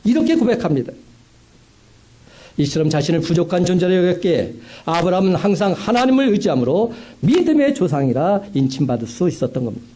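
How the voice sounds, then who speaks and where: A man preaching a sermon as a pastor, with emphatic rising climaxes and slow, stressed phrases. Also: high voice, very animated, mellow.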